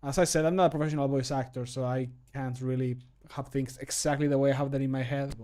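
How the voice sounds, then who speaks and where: A man's voice: medium pitch, flat delivery, fast, dark tone. A man in his thirties chatting casually on a livestream in a jokey, self-deprecating, sweary way. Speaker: streamer recording mod voice lines. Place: indoor home room.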